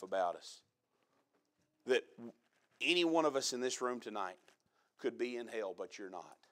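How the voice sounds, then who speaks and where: A man with a Kentucky accent speaks at a moderate pace against a quiet background. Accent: US South (Kentucky). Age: 30s. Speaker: preacher. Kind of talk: sermon. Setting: church. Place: church.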